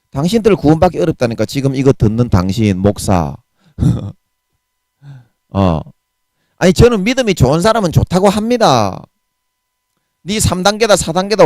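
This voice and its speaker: A man in his forties with a Gyeongsang Korean accent preaches a sermon, fiery and blunt and peppered with harsh curses. His voice is medium-pitched, and there's no echo.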